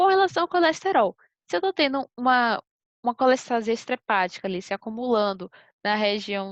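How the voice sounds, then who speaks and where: Over a quiet background, a woman speaks at a fairly high pitch with very wide pitch swings. The sound is dry and close, with no echo. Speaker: medical student presenter. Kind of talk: online lecture. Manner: fast; halting, many restarts.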